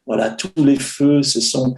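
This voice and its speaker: A man's voice: medium pitch, steady tone, unhurried, darkish tone, a little hiss or hum. A man with a French accent, hosting an online Christian meeting over a video call, talking casually with many fillers and restarts. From France. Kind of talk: casual conversational sharing.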